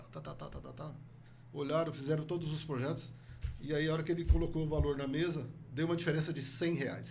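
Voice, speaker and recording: In a room with audible echo, a man talks fairly quickly at a fairly high pitch. His intonation is monotone and flat, while his loudness swings widely. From Brazil, São José do Rio Preto (interior of São Paulo state). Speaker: business consultant and professor. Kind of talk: podcast interview. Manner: halting, repeats words.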